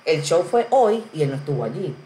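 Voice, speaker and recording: A woman's voice: low-pitched, big pitch swings, brisk, warm tone. A woman hosting a live stream in casual chat, greeting viewers by name and answering their comments. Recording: roomy echo with faint background noise.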